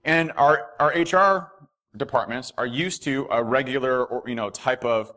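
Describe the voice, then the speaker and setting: A man giving a conference keynote from a podium in a hotel ballroom, animated and quick, with lots of fillers and restarts. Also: medium pitch. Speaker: keynote speaker.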